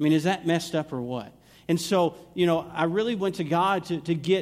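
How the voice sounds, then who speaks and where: A man speaks with a Southern US accent. His pitch sits fairly high. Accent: Southern drawl. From Alabama. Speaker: guest preacher. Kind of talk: sermon. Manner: halting.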